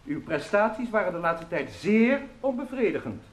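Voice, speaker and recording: An actor in a radio drama playing a stern, self-important chief clerk with a formal, pompous way of talking. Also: male voice, high-pitched, big pitch swings, moderate pace. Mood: stern, reproachful. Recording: roomy, echoing sound.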